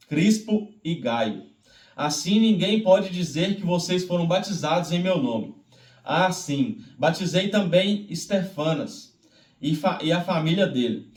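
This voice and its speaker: Devotional reader: Brazilian man, fairly high voice, recorded at a distance from the mic. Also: darkish tone. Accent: Brazilian Portuguese. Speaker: devotional Bible reader leading prayer. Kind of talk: devotional scripture reading aloud. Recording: roomy, echoey, distant microphone.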